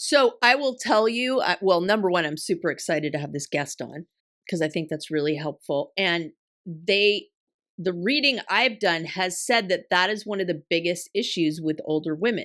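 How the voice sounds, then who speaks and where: In a very clean recording with a silent background, a woman with a plain, everyday voice speaks at medium pitch and a moderate pace with lively intonation. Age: middle-aged. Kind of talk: casual podcast conversation.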